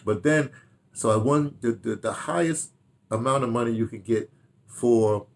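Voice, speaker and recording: An older man in his 60s or 70s, a radio drama director and producer, reminisces casually to camera at a medium pitch and normal speed. He rambles and repeats phrases, talking half to himself, indoors in a furnished room at home.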